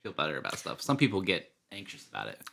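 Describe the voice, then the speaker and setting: A woman's voice: very deep voice, huge pitch swings, quick pace, creaky, pushed and bright. A woman in casual podcast chat, laid-back and dropping wry interjections.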